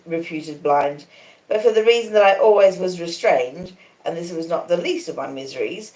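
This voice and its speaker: An Australian woman reading a classic novel aloud in an expressive, dramatic, deliberate literary narration style. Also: low voice. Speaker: audiobook reader on a live stream. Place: conservatory in a small cottage. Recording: roomy, echoing conservatory sound.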